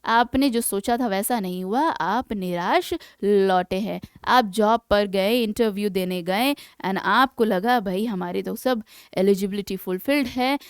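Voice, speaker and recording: A woman teaching English vocabulary for exam preparation, explaining in Hindi and reading English example sentences slowly and deliberately, often checking in with her students. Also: mid-range voice, clear, resonant tone, dry recording. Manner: keeps checking in with "है ना". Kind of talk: exam-prep vocabulary lesson.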